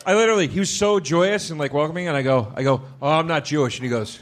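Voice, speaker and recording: A man's voice: on the high side, fast talker. A man telling self-mocking stories as a comedian on a live panel in a club. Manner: animated, self-mocking storyteller. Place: comedy club stage before a live audience.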